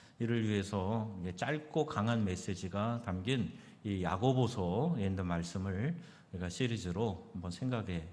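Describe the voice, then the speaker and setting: Fairly low male pitch with lively intonation, a moderate pace and audible room echo. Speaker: pastor. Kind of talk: sermon.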